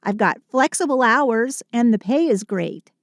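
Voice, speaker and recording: Slow, high-voiced sulky Christmas elf played by a woman. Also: animated, no echo, clean studio sound. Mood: matter-of-fact, fond. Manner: dramatic, sardonic, affectionate venting. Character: sulky, sweet female Christmas elf venting to partner. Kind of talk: scripted audio roleplay monologue.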